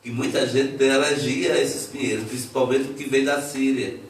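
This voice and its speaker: A cordel poet with a Brazilian Portuguese accent chats casually, often repeating words as he thinks. His mid-range voice is steady and moves at normal speed. The room is echoey, the mic sits far off, and there's slight background noise.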